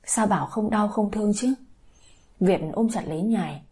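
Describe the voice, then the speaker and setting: A woman's voice: mid-range voice, moderate pace, warm tone, slightly rough. A woman reading a dramatic audio story, with emotive scripted narration.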